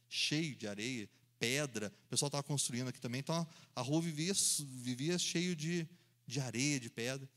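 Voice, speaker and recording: Speaking with a fairly bright tone that sits fairly high for a man, a preacher gives a storytelling sermon. He acts out the voices and sound effects himself, telling the story animatedly and often laughing as he talks.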